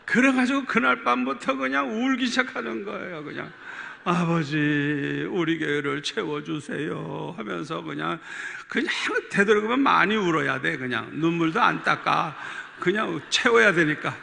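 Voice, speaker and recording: A man's voice: high voice, normal speed, gravelly, hardly any pauses, sharp tone, slight background noise. A middle-aged man, a pastor, telling his testimony in an emphatic sermon and repeating words for stress. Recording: long hall reverb.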